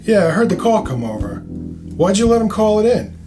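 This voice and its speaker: A man's voice: high-pitched, sing-song, brisk, music in the background, voice pushed up. A man voicing a weary, resentful police detective with a blunt, grumbling manner in an audio drama. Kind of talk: audio fiction character reading.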